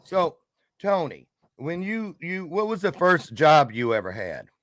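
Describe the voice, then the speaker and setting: A man's voice: fairly high pitch, very animated, a little slow, fairly bright tone, dry recording. A man hosting a casual video chat show, asking playful, teasing questions. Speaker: show host. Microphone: video call.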